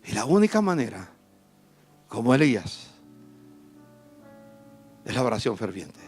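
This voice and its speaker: A man preaching a sermon with passion, moving between quiet, low passages and loud, emphatic bursts. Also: very animated, a little slow, breathy edge, faint music behind. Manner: impassioned preaching, swinging from soft to loud. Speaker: pastor.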